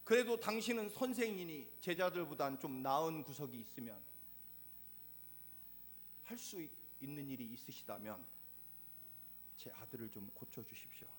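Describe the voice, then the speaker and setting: A middle-aged male pastor with a Chungcheong Korean accent, preaching a sermon and swinging from loud emphatic lines to soft, low endings. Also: lively intonation, normal speed, long pauses, slight background noise.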